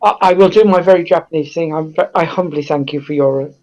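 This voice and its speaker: High-voiced man, a hesitant discussion guest. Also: fairly quick, darkish tone. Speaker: invited guest. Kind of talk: casual history discussion.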